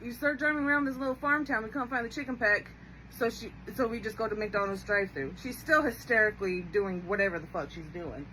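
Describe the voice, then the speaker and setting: A woman's voice: fairly high pitch, fairly quick, sharp tone, slight background noise, rough recording. A woman guest telling stories in casual chat, blunt and swearing freely. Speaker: guest co-worker.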